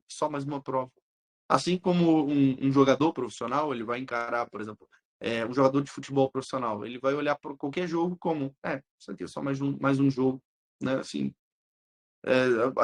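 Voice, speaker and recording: A young man with a Brazilian Portuguese accent, an exam-prep teacher talking casually with his students, blunt, slangy and quick to swear. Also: medium pitch, a bit bright. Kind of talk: casual live chat answering students.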